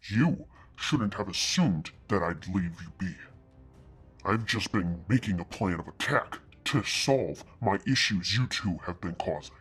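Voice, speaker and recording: A cruel, entitled devil speaks, put on by a man reading a storybook aloud, his voice sitting low and husky with a sneer in every word. He drawls his mockery and lets threats fall quietly. Soft music plays faintly behind him. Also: lively intonation, measured pace, exaggerated voice. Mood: menacing. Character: smug menacing male devil, cruel and entitled.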